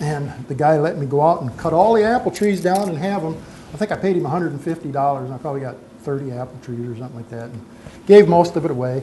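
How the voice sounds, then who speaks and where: A man with a fairly high voice talks very fast, his loudness swinging widely and his intonation lively, over noticeable background noise. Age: 60s. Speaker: woodturner. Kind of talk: live demonstration. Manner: casual, conversational.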